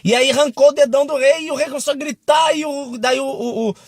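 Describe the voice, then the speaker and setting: A man's voice: very high voice, fairly even intonation, quick pace, creaky, no echo, clean studio sound. A young Brazilian man giving a casual devotional talk, chatty and joking as he tells a story and acts out its quotes. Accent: Brazilian Portuguese. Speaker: Christian video preacher.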